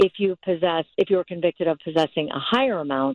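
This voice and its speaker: A woman with an American accent and a fairly low pitch speaks at a fairly quick pace in a plain, everyday voice. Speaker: state legislator. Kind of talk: radio interview.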